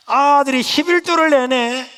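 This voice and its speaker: A man's voice: very high-pitched, a little slow, pushed and bright, pitched above the performer's own voice, full character voice. A man voicing his mocking, hostile older brother in a Gyeongsang accent, in an echoey church hall. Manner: sneering, mocking.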